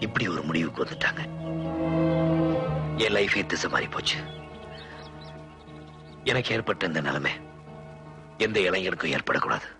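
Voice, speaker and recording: A young man who pleads earnestly, his voice rising and falling in wide swings. Loud film music plays under him. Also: deep voice. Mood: somber.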